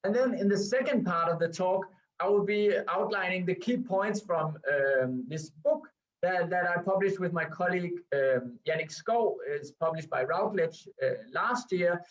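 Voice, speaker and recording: A man's voice: sits high, a little slow. A man from Denmark with a Danish accent gives an academic presentation from home over a video call, hesitating often with um and uh. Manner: hesitant, with frequent um and uh fillers and restarts. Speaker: researcher giving a guest lecture. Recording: distant, dull video-call audio.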